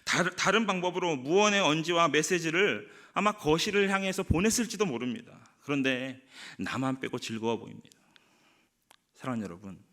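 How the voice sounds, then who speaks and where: A male pastor delivers a sermon with a fairly high voice that swings widely in pitch. He puts frequent rhetorical questions to the congregation and slips into the voices of the people he quotes. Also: bright, forceful tone.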